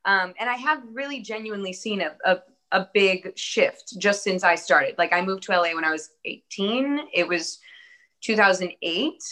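Bright-voiced upbeat woman in her thirties. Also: medium pitch, expressive, moderate pace. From born in Atlanta, Georgia, US. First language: Spanish. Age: early 30s. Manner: upbeat, earnest, lots of "um" and "I think". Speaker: actress, guest. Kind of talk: casual interview conversation.

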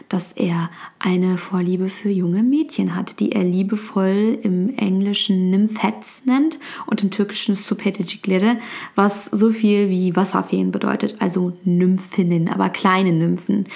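A woman's voice: medium pitch, creaky, a little mellow. A young woman whose first language is Turkish, talking casually about a book with many fillers and restarts.

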